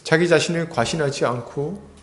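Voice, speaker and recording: A man's voice: on the high side, normal speed. A man pastor preaching an expository sermon, emphatic, acting out Bible scenes and asking the congregation rhetorical questions.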